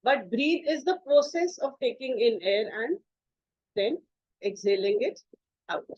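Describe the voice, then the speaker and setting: A woman English teacher talks through a presentation in a fairly high voice. She explains patiently, spells out words and leans on fillers as she thinks. The recording is dry and a bit muffled, like a basic home setup. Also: animated, a little slow, a little mellow, dry recording. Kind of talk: slide presentation lesson.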